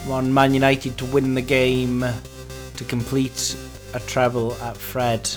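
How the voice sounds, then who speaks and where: A man's voice: medium pitch, monotone, slow. A man giving an unscripted, casual podcast monologue as host, rambling and interrupting himself, talking over a fan in a home office. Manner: rambling, self-interrupting, mildly sweary. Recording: voice over fan noise, faint music. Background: fan running nearby, television on.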